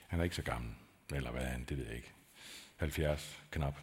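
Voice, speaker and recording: A man preaching a sermon in a church, talking in a conversational, searching way that builds to emphatic peaks. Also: very deep voice. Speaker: pastor.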